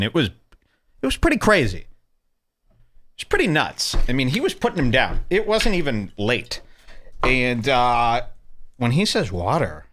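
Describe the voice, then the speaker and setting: A man's voice: mid-range voice, fairly bright tone, slight background noise. A man hosting a radio show, heckling and mocking clips with crude sarcasm. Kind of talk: mocking commentary over clips.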